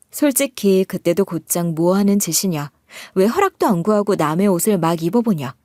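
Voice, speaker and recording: A woman's voice: mid-range voice, a little mellow, no echo, clean studio sound. A woman narrating a first-person story in an aggrieved, confiding tone.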